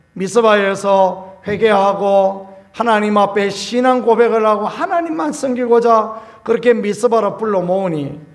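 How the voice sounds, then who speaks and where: A man, a pastor, preaching a Sunday sermon in a homely, colloquial way, telling stories and acting out scenes with sudden loud bursts. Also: high-pitched.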